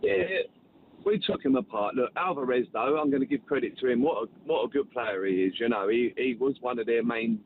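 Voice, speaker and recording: A man calls a radio phone-in over a tinny phone line with a faint hiss behind him. He talks excitably, repeating himself as he goes. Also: mid-range voice, brisk. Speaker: caller, football fan. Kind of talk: phone-in call. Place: travelling home.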